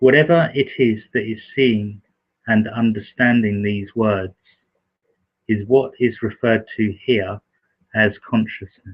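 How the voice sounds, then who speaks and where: A man with a British accent talks at a fairly slow pace. He leaves long, frequent pauses. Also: medium pitch for a man, fairly even intonation. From Britain. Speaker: spiritual teacher reading a book. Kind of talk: contemplative reading and reflection. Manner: halting with many fillers; trying to speak louder.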